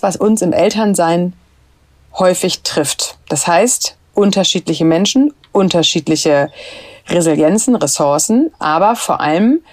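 A woman's voice: fairly low pitch, a little mellow, no echo. A woman in her thirties co-hosting a casual parenting podcast, explaining her points with everyday examples. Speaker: podcast co-host.

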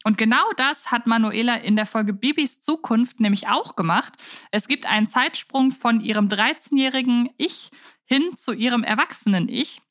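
A woman's voice: fairly high pitch, normal speed, a bit bright, dry recording, clean studio sound. A woman co-hosting a podcast in a conversational, reflective way, explaining things in detail. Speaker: podcast co-host.

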